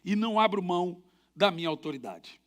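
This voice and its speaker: A man's voice: high voice, fairly quick. A middle-aged man with a Brazilian Portuguese accent, a pastor preaching a sermon and telling stories with sound effects. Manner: animated storytelling with sound effects.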